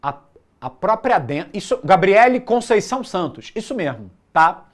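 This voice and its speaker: A man's voice: sits high, normal speed. A man teaching a live online biology class for exam prep, casual and joking, full of slang. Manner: slangy, joking, lively lecturing.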